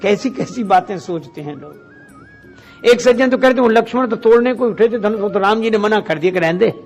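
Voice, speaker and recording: A man with a high voice delivers a Hindu devotional sermon in a storyteller's style. He asks rhetorical questions, dramatizes dialogue and recites lines of scripture. Music plays faintly behind him. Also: brisk, darkish tone. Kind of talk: devotional discourse retelling Ramayana episodes.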